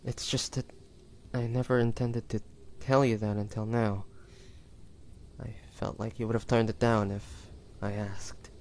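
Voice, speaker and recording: A man playing a tender, devoted hunter turned immortal in an intimate audio roleplay, speaking haltingly and emotionally to a lover. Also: on the low side, level tone, darkish tone, a little hiss or hum. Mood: tender, earnest. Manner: halting, emotional, breathy sighs and whispers.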